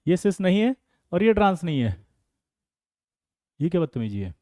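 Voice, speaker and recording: Male chemistry tutor, bright high register, teasing and fast-prompting, dry close-mic sound. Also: big pitch swings, no echo. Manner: playful, teasing students by name, rapid "jaldi batao" prompts. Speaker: chemistry teacher. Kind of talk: energetic online exam-prep lesson.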